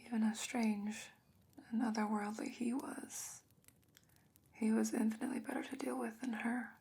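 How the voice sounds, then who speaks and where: A woman playing a calm, knowing, secretive potion maker in a soft-spoken ASMR fantasy roleplay, whispering slowly and breathily with measured, hesitant pauses. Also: on the high side, gravelly, slightly rough. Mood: guarded, reminiscing.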